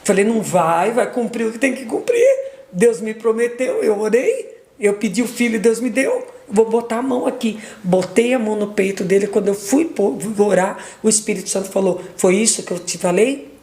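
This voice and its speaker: A woman's voice: medium pitch, animated, moderate pace, dark tone, reverberant. A middle-aged woman giving an emotional personal testimony, retelling what everyone said in long runs of dialogue, with restarts and fillers. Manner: retells dialogue with repeated 'aí eu peguei e falei', restarts and fillers.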